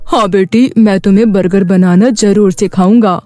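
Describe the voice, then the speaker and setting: A woman voicing a kindly old male shopkeeper, gentle and fatherly, in a cartoon moral story. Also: medium pitch, steady tone, normal speed, no room sound, soft background music, voice pushed down, natural voice. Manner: gentle, consoling.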